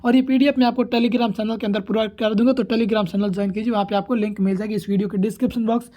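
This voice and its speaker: A man's voice: high-pitched, fairly even intonation, racing, dark tone. A man teaching exam prep, going informally through questions and answers in a repetitive, formulaic way.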